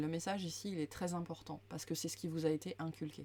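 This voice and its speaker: The woman's pitch moves in an ordinary way. She talks at a very fast pace. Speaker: tarot and oracle reader. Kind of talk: spiritual guidance reading. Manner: hesitant, many fillers.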